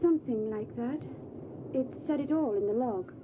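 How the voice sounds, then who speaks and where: A woman's voice: a little high, normal speed, close to an everyday voice. An actress playing an earnest, caring young Victorian lady in an audio drama, with a proper and solicitous manner. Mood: solemn, sympathetic. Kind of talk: audio drama acting and diary narration. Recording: phone-like, faintly noisy audio.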